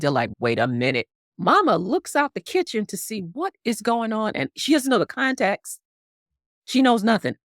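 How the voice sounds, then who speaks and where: A woman's voice: a little high, no echo, clean studio sound. A woman guest telling a story in conversation, acting out characters with big swings in voice. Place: Harlem upbringing.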